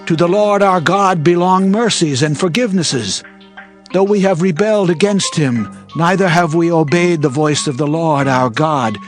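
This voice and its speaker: Casting: male actor as humble, devout prophet for scripture audio drama, fairly high male voice, earnest and declamatory, music underneath. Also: normal speed, close to an everyday voice. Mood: penitent pleading. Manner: earnest, solemn, declamatory pleading.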